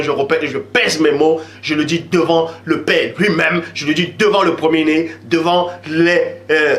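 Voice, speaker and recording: A man's voice: a little high, a bit bright. Insistent man preaching in an echoey room. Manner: insistent, reads verses slowly, repeats for emphasis. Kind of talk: sermon with Bible readings.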